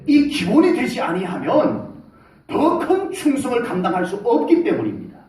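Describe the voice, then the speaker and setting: A middle-aged male pastor preaching with a high, swooping voice, now and then shouting military salutes as he plays soldiers. It is captured in a very echoey church hall, from a distance, with faint noise behind. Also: wildly swooping pitch, moderate pace. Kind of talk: sermon. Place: church sanctuary.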